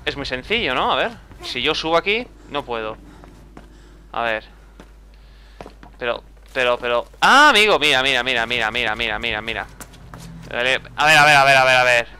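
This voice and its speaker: Bright, lively young man griping through gameplay. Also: mid-range voice, normal speed, long pauses, a little hiss or hum. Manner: exasperated, swears often, talks to himself. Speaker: gameplay commentator. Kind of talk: casual let's-play commentary.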